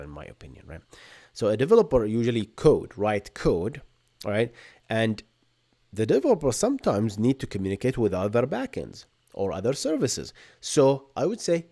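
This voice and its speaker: A man in his thirties from Bahrain with an Arabic accent, hosting a live-streamed tech Q&A from a home room and explaining things in energetic bursts, often tagging on "right?". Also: medium pitch, moderate pace. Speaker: podcast host. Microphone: desk microphone in front.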